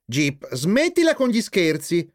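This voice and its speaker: A man doing a high scolding mother. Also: wildly swooping pitch, slow, full character voice. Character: patient mother, middle-aged woman, fussing.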